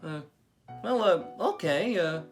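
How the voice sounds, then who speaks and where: A man's voice: high voice, animated, slow pace, soft background music, heavily acted. A man voicing a friendly, hesitant puppet host with an encouraging gee-whiz manner in a comedy show. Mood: patient, upbeat.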